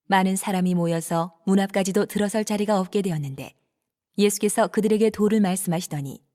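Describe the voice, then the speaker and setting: A woman narrating a dramatized scripture reading in a measured, even manner. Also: mid-range voice. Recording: long reverb.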